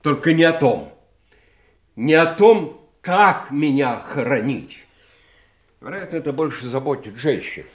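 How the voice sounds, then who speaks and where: In a Soviet audio drama, a male actor plays a middle-aged family lawyer who is uneasy and defensive, hesitant and formal. His voice is a little high and a little slow, with lively intonation, and the recording sounds roomy.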